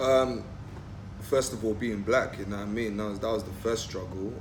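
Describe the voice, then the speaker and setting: Recorded with audible room echo, a man with a London accent speaks at a fairly low pitch. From London, England (born in Africa). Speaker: hip-hop artist. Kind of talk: interview. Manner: halting, many repetitions and fillers.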